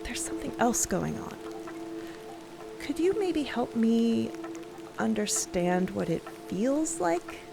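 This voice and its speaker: High-voiced, expressive space explorer. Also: female voice, gravelly, over music, exaggerated voice. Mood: incredulous, searching. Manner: halting, emotional, sarcastic. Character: expressive, sarcastic woman space explorer, hurt girlfriend. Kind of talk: dramatic audio fiction acting.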